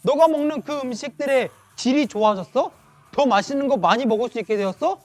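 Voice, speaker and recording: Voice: high-pitched, expressive, fairly quick, a little mellow, no echo, pitched above the performer's own voice. A children's Bible teacher voicing the devil as a mocking tempter who needles and lures.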